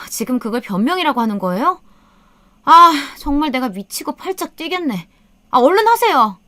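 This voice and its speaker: A woman voicing a sharp-tongued young daughter-in-law who snaps and nags with contempt, in a storytelling recording. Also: high voice, big pitch swings, moderate pace, dry recording, pitched above the performer's own voice, full character voice. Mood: irritated. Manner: snapping, nagging, contemptuous.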